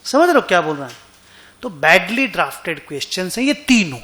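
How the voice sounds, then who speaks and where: A man's voice: high-pitched, sing-song, a little slow, pushed and bright. A man teaching an accounting class in a conversational way, often stopping to ask his students whether they follow. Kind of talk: classroom lecture. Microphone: online class recording.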